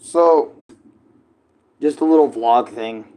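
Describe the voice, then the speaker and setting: A young man vlogs from his kitchen at home, rambling casually with plenty of fillers into a tablet propped up nearby. His mid-range voice is slow and dark-toned, turning a little froggy at times.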